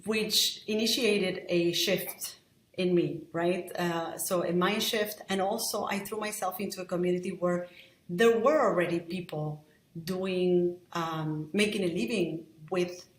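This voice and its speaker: Woman podcast host from Argentina, lower voice, thinking aloud, echoey room. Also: fairly even intonation, a little slow. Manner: reflective, many restarts and "right?" tags. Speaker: podcast host, lettering artist. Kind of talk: solo podcast monologue.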